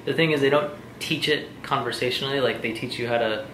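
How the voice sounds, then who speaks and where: A young American man chats informally as co-host of a vlog. His delivery is conversational. The recording is roomy and echoing, with clear noise in the background. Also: mid-range voice, fast, a bit bright. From Texas, United States. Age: young adult. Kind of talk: casual chat.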